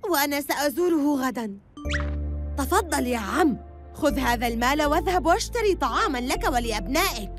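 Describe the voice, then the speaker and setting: A good-hearted young cartoon boy. The voice is high, polite and earnest. Children's music runs clearly behind it. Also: lively intonation, fairly quick. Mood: earnest, kind. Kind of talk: children's cartoon dubbing in formal Arabic.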